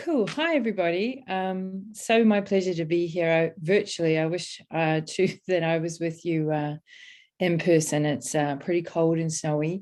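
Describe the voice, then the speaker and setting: This woman's voice sits at a fairly low pitch with ordinary pitch variation. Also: moderate pace, quiet background. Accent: New Zealand. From New Zealand. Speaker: law professor. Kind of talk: panel presentation. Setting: video call.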